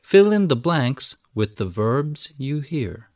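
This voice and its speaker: A man reads out an English course recording in slow, deliberate phrases, with a lively rise and fall to his pitch. The sound is dry and close, like a small studio booth. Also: dry recording. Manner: slow, clearly enunciated reading. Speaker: textbook audio reader. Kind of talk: scripted language-lesson recording.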